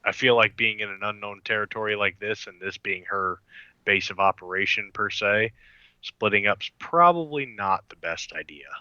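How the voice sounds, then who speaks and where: A man voicing an eleven-hundred-year-old vampire, measured and thinking aloud. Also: on the low side, sharp tone, dry recording, dull audio. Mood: wary. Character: ancient male vampire, eleven hundred years old, calculating.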